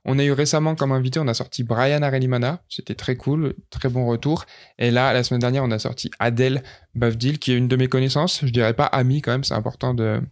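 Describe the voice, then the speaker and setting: A man from France hosting a podcast, chatting casually with playful deadpan jokes and lots of hesitation. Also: medium pitch, fast. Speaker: podcast host. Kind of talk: casual chat.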